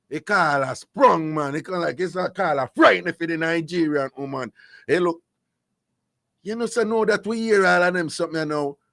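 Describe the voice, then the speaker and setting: A man with a Jamaican accent speaks at a fairly quick pace in a high pitch. His tone is bright and sharp, and the sound is dry and close with no echo. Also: ordinary pitch variation. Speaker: radio talk show host. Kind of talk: call-in radio chat.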